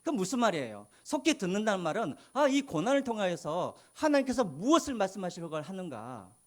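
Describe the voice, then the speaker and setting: A man's voice: high voice, sing-song, fairly quick. A male pastor preaching a sermon, asking the congregation questions and answering them himself.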